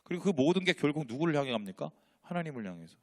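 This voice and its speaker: A man's voice: fairly high pitch, big pitch swings, racing, darkish tone. A man, a pastor, preaching a sermon with rhetorical questions and acted-out dialogue in changing voices. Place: church sanctuary.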